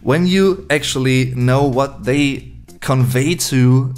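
A man's voice: mid-range voice, slow, faint music behind. A man in his thirties from Germany, a native German speaker, giving a casual language lesson and musing aloud as he goes. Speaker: language video host. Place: small room indoors.

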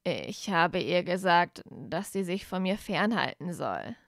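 A woman reading aloud voices a proud young male wizard who sounds flat and defeated, speaking low and slowly. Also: dry recording, clean studio sound, exaggerated voice. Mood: weary.

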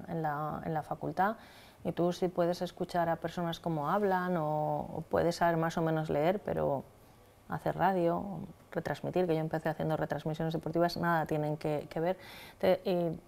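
A woman hosting a television talk show in a studio, with a Spanish accent from Spain. Her voice sits on the low side and has a gravelly, creaky texture. She talks conversationally and keeps up a steady stream of murmured agreement. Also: moderate pace.

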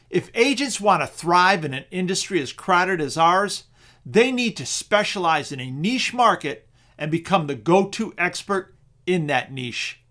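A middle-aged man with a somewhat high voice narrates a scripted webinar about real estate auctions. His delivery is steady and persuasive, in a sales tone.

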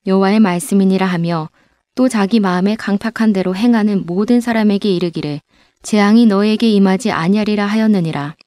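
A woman reading scripture aloud in a measured, even recitation, recorded as a studio voice-over. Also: medium pitch, dry recording. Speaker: scripture reader. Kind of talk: steady scripted Bible reading.

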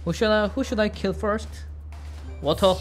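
A Korean man in his thirties, a native Korean speaker with a Korean accent, streams a game and comments casually in simple, halting English. He breaks into excitable, high-pitched exclamations during play, sitting at a desk indoors with a webcam beside the game screen and faint game music behind him.

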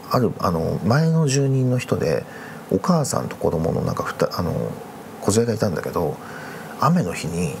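A middle-aged man with a low voice recounts a ghost story casually, as if thinking it over while he talks. Clear background noise sits behind him. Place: dark studio, seated at candlelit table.

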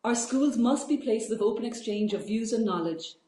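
A woman's voice: on the high side, lively intonation, normal speed, mellow. Irish woman speaking formally, echoey video call. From Ireland. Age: middle-aged. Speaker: regional representative and teacher. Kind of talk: prepared political speech. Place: indoor office, on a video call. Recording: echoey room over video-call link.

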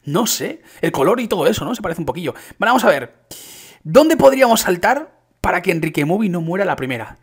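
Young guy yelling over his battle royale game, kinda husky, voice jumps all over. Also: sits high, fast talker. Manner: excitable, exclaims often, addresses viewers as chicos. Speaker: gaming youtuber. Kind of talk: excited gameplay commentary.

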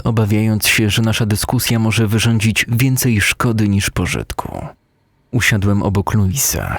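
A male narrator reads a scripted horror story. His voice sits low and has a rough, husky grain. The sound is dry and close, as recorded in a studio. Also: no echo. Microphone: close studio microphone.

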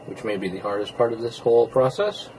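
A man in a casual how-to video, talking in a relaxed, explanatory way while he works with his hands inside a car. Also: mid-range voice, quick pace, a little hiss or hum, low-quality recording. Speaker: car interior DIY reviewer.

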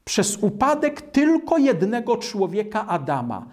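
An older man preaching a sermon in a slow, measured way, recorded in a studio. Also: sits high, wildly swooping pitch. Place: studio in front of a starry-sky backdrop.

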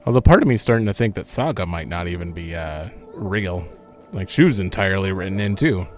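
A man's voice: sits low, lively intonation, a little fast. A young man casually commenting as he plays a horror game, rambling and thinking aloud. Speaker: gaming channel host. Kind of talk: casual let's-play commentary.

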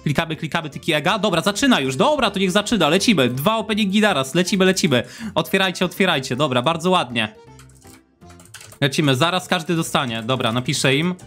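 An excitable young man with a high voice chats away over gameplay, talking straight to his viewers. Faint music plays behind him. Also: fairly quick. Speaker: gaming YouTuber. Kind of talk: casual gameplay commentary.

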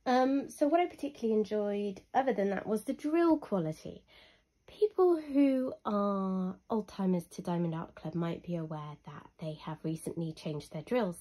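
Husky woman, chatty and mellow. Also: on the low side. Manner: chatty and unhurried, with frequent ums. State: husky from illness. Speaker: hobby reviewer. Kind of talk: casual product review voice-over.

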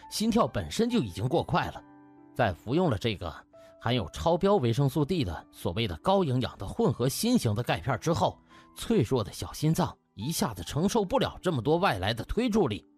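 A man voicing an indignant young doctor who argues forcefully in a dramatised audiobook. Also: mid-range voice, husky. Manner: forceful, emphatic, aggrieved. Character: indignant young male doctor pressing his case.

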